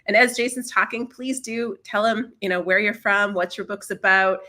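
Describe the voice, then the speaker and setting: Hoarse woman hosting a live stream. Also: mid-range voice, steady tone, normal speed, bright, forceful tone. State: raspy, battling a cold. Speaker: channel host. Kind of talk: live-stream host intro.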